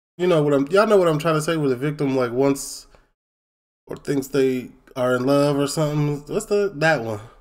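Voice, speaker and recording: A man talks fairly quickly, with ordinary pitch variation, and the background is quiet. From Chicago. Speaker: reaction streamer. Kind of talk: casual reaction commentary. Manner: animated. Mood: incredulous, animated.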